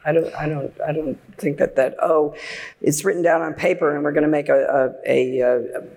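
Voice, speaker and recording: Gravelly, emphatic woman panelist on stage. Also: low-pitched, steady tone, moderate pace, darkish tone. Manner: emphatic, opinionated, repeats words when starting. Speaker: panelist, design partner. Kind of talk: live panel discussion. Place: large conference hall, live audience. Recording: hall reverb on stage.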